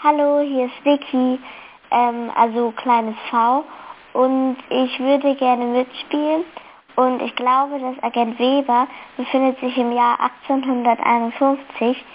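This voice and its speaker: A woman's voice: sits high, little pitch movement, a little slow. A woman leaving a casual, slightly hesitant voice message. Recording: dull lo-fi message, faint noise.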